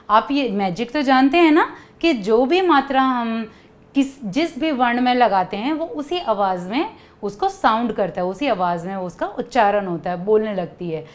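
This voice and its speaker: A woman teaching young children, coaxing them with questions and asking them to repeat sounds after her. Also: on the high side. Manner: coaxing, asks kids to repeat. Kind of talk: children's lesson.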